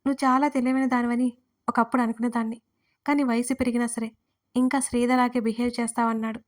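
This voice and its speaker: A woman's voice: a little high, little pitch movement, quick pace, lightly acted. A woman voicing a serious, protective husband who speaks in a grave, stern way in an audio drama.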